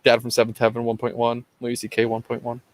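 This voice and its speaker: A man hosting a comedy podcast, joking, laughing often and reading lists of ratings deadpan. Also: medium pitch, fast talker. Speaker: podcast host. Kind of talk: casual comedy chat.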